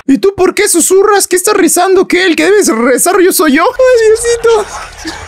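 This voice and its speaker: A man's voice: extremely high pitch, lively intonation, brisk, slight background noise. A man commenting on a horror game he is playing, joking and breaking into nervous laughs and shrieks. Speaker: gaming YouTuber.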